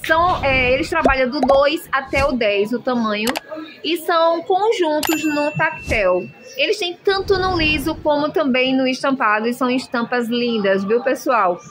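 A Brazilian woman with a high-pitched voice films a chatty, gushing shopping vlog on a handheld phone camera, showing off clothes in a shop at normal speed and constantly saying "minha gente." The background is noisy as she enthusiastically showcases the products.

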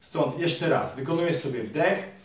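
A man in his thirties with a slightly high voice teaches an exercise in a calm, explanatory way, speaking straight to his viewers. He stands at a distance from the camera microphone. The small room around him rings with strong echo. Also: measured pace. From Poland. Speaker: physiotherapist and trainer. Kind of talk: fitness tutorial to camera. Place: small room in front of a curtain. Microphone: camera mic from across the room. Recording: very echoey room, voice from afar.

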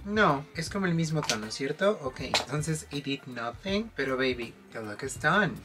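A man's voice: a little high, lively intonation, a little slow, loud music behind the voice. Chatty male makeup vlogger. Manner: chatty, affectionate, mixes in English phrases. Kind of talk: casual makeup tutorial.

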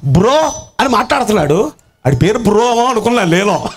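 A middle-aged male pastor telling a story in his sermon, in an animated way and mixing in English words. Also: high voice, moderate pace, slightly rough.

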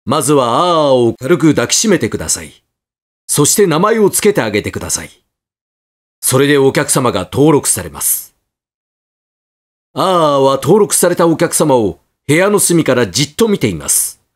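Young guy doing polite narration, careful diction, pitch moves around a lot. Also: sing-song, moderate pace. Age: young adult. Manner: polite, carefully articulated product-guide reading. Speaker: voice actor, narrator. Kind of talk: scripted narration demo.

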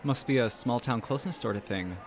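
A man's voice: medium pitch, brisk, slight background noise, close to an everyday voice. A man playing an easygoing, chatty friend who likes to speculate, in an audio drama. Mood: speculating.

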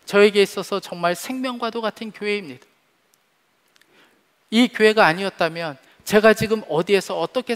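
A pastor in his forties preaching an earnest, heartfelt sermon from a church stage, speaking into a headset mic, often letting his phrases fall soft at the ends. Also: high-pitched. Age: 40s. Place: church stage behind a podium. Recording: long hall reverb.

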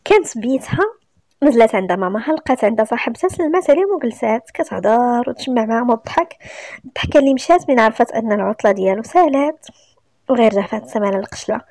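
A Moroccan woman reads a romance story aloud, brisk and lively. Her voice sits fairly high and runs fast. The recording is dry and close. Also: dry recording.

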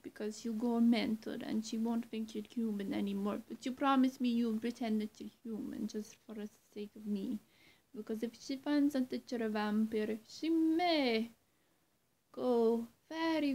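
Recorded with poor audio in a small indoor room, a young adult roleplay performer voices a vampire speaking to the listener. Her slightly high, warm, creaky voice is coaxing yet menacing, slow and halting, with frequent dips into whispers.

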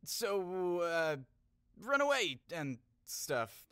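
Bright, blustering bumbling thief played by a man. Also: high-pitched, big pitch swings, extremely slow, clear, resonant tone, no room sound, clean studio sound, heavily acted. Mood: boastful, defiant. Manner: hesitant bluster, stammering boasts. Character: bumbling, boastful male cartoonish thief. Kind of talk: amateur audio drama acting.

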